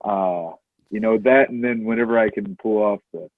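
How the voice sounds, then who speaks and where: A man's voice: lowish voice, normal speed, no echo. A man co-hosting a movie podcast, laid-back and quoting films in casual chat. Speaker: podcast co-host. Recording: tinny phone-like line.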